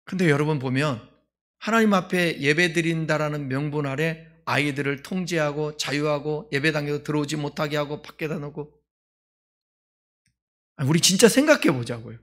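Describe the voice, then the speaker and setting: High-voiced man preaching a sermon. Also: moderate pace. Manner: conversational preaching, asks the congregation questions; swings between loud emphasis and quiet asides. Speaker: pastor.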